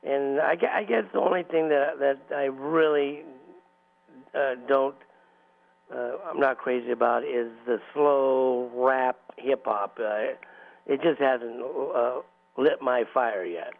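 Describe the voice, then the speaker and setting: A man's voice: medium pitch, slow, vocal fry. A man hosting a local radio talk show as DJ, chatting loosely with many fillers and restarts. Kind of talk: casual radio chat. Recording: tinny phone-like radio audio.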